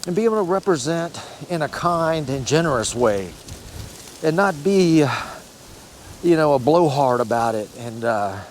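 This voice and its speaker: A man's voice: a little high, expressive, a little slow, a little mellow, slight background noise. A man in his sixties hosting a fitness vlog, talking casually to camera in a rambling, encouraging way and often correcting himself. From United States. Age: 60s. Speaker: fitness channel host.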